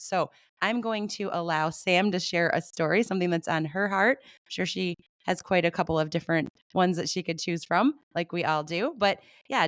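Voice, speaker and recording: A chatty woman hosts a podcast, her voice a touch raspy from a cold yet smooth underneath. She talks upbeat and rambling, with a lowish pitch, recorded close and dry with no room sound. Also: no echo. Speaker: podcast host. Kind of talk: casual podcast chat.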